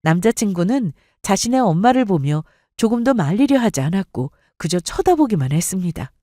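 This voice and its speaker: Brief: woman narrator for a dramatic audio story, animated intonation, dry close mic. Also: mid-range voice, moderate pace, no room sound. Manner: expressive storytelling. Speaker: story reader.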